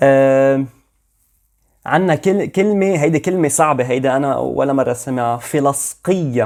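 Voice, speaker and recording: A man with a medium pitch speaks at a very slow pace. His pitch varies in an ordinary way. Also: very clean recording, silent background. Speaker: polyglot language educator. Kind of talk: educational explainer.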